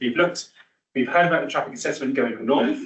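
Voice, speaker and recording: A man speaks with audible room echo around him. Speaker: ward councillor. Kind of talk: council meeting debate. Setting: council chamber, no microphones, streamed online. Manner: loud. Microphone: no microphones in the room.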